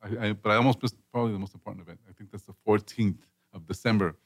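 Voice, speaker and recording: A man's voice: fairly low pitch, fairly even intonation, very fast, no room sound. A man hosting a casual conversational podcast, chatty and emphatic, often repeating himself for effect. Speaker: host and business chamber leader.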